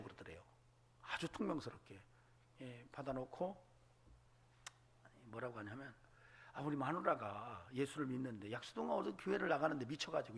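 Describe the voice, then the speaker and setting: A man preaching a sermon as a pastor, telling a story in hushed whispers and building to impassioned, shouted exhortation. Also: fairly high pitch, vocal fry, slightly rough. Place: church sanctuary.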